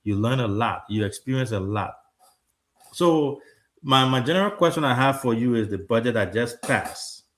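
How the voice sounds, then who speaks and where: A man's voice: mid-range voice, animated, moderate pace, a bit bright. A Liberian man in his thirties with a Liberian accent, hosting a talk show in an earnest, conversational way and often repeating words as he restarts. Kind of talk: casual talk show discussion.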